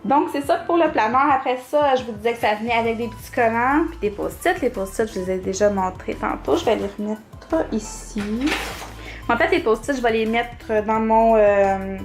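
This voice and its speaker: A young woman with a Québécois French accent, chatting casually as she shows off her planner, with lots of fillers and little laughs. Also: a little high. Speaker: planner vlogger. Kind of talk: casual show-and-tell.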